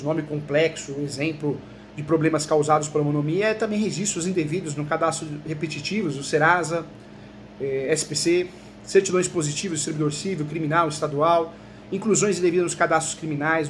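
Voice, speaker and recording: A Brazilian man, a law professor, giving a conversational video lesson and often tagging his sentences with quick questions to the viewer. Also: on the high side, slight background noise. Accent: Brazilian Portuguese. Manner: chatty, peppers talk with tag questions.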